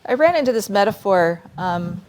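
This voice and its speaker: A woman's voice: medium pitch, expressive, moderate pace, a little mellow. A woman giving a conference talk, casual and conversational, inviting the audience to respond. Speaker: conference speaker.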